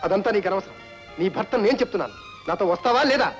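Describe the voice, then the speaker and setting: An actor playing a proud, angry young husband who speaks defiantly and sermonizes, with a husky voice in old film melodrama style. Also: male voice, high-pitched, lively intonation, rapid-fire, faint music behind, poor audio.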